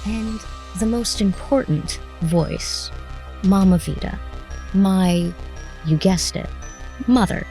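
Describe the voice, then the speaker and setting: A woman chats casually and unscripted, taking her time. Her mid-pitched voice is gravelly with fry and very mellow. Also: slow pace, pauses often, soft background music.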